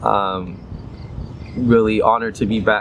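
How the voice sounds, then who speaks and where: Over noticeable background noise, a man with an American accent speaks at a fairly slow pace. His intonation is monotone and flat. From Maryland, USA. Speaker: spoken word poet and DJ. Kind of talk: interview answer.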